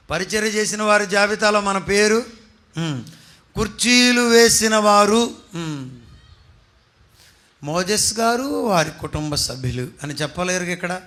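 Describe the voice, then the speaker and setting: A man's voice: sits high, bright, forceful tone. A male pastor preaching a sermon, firing rhetorical questions at his congregation and pressing them for answers.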